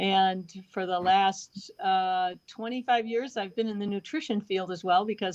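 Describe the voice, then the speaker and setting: A woman speaks at a medium pitch and moderate pace. Hers is an unremarkable speaking voice with ordinary pitch variation. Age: 60s. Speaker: lawyer, entrepreneur and speaker. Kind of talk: casual interview.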